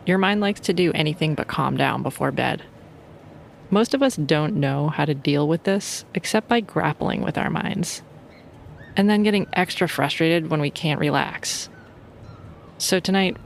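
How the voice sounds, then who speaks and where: A woman's voice: deep voice, creaky, a little hiss or hum. A woman leading a guided sleep meditation in an informal, playful and soothing way.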